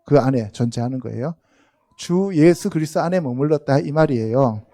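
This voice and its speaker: A man's voice: medium pitch, lively intonation, a little fast, warm tone. A man preaching a Sunday sermon as pastor, often asking the congregation rhetorical questions and calling on them directly. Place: church sanctuary.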